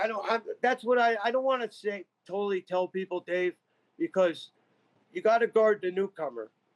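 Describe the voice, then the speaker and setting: A man with an American accent speaks at a moderate pace in a high voice, leaving long, frequent pauses. The sound is dry and close, with no echo. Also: ordinary pitch variation. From Connecticut, US Northeast. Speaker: fisherman content creator. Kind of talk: casual interview chat. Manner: halting.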